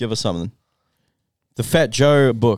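With an Australian accent, a man talks at a fairly quick pace, the sound dry and close with no echo on a very clean recording over a silent background. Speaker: powerlifting coach. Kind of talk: casual chat. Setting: studio.

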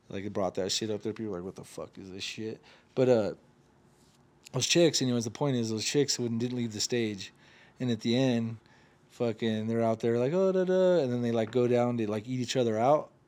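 The man has a normal speaking voice at a medium pitch and talks at a fairly quick pace. His pitch variation is ordinary. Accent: American. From Portland, Oregon, US Pacific Northwest. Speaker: graffiti artist and tattoo artist. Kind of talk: casual chat.

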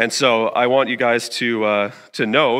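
Here is a man with a normal speaking voice. His pitch is medium and his intonation fairly even. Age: 20s. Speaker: youth pastor. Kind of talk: sermon. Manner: casual, many filler words.

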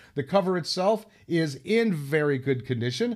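A man with an American accent speaks at a moderate pace, his intonation lively. It is a plain, everyday voice, captured in a very clean recording with a silent background. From US Midwest, northeast Ohio. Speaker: podcast host playing records. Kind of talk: casual narration.

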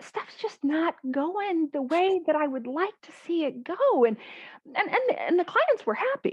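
A woman with a Midwestern American accent speaks at a fairly slow pace, her pitch swinging very widely. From US Midwest. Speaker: business coach. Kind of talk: interview conversation.

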